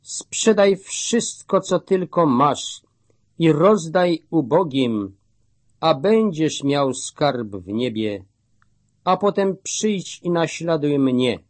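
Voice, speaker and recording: A man reading the words of Jesus as a calm, authoritative teacher, in a measured, solemn way. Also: a little high, dry recording.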